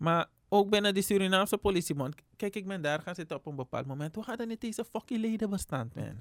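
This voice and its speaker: At a very fast pace with hardly any pauses, a man talks in a high pitch with big swings in loudness, the sound dry and close with no echo. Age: 40s. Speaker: police union chairman. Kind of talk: casual chat. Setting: studio.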